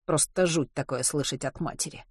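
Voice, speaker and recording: A woman's voice: sits low, a little fast, breathy edge, no echo, studio quality. A woman reading an audiobook and voicing a fretful, tearful middle-aged mother who laments emphatically about her sons.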